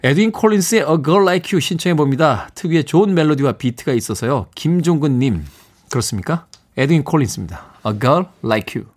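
Man morning radio DJ from Seoul, playful, pitch rising and falling freely, studio mic. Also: fairly quick. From Seoul, South Korea. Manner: lively, playful, chuckles between messages. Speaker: radio show host. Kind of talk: morning radio show, reading listener texts.

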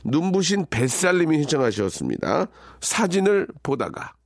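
A man's voice: on the high side, wildly swooping pitch, moderate pace, gravelly, dry recording, studio quality. A middle-aged man hosting a radio show, reading listener messages and chatting about them with wry asides and constant filler words. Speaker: radio DJ host. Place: radio studio. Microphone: studio microphone.

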